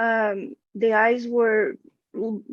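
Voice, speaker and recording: A woman talks with a Brazilian Portuguese accent. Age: 50s. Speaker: healing session client. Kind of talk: casual conversation. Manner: hesitant, many fillers.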